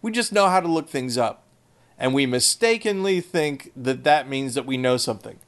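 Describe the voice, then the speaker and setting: A man's voice: medium pitch, animated, moderate pace. A man co-hosting a podcast, chatting casually with dry sarcasm and rambling asides. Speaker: podcast co-host. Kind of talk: casual chat.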